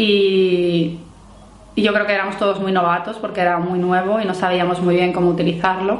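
Audible room echo surrounds a woman speaking at a medium pitch and moderate pace. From northern Spain. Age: 30s. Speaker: road works designer. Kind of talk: interview answers.

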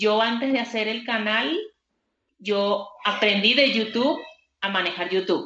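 With a Venezuelan accent, a woman speaks at a very slow pace in a fairly high voice. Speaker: children's YouTube creator. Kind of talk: interview.

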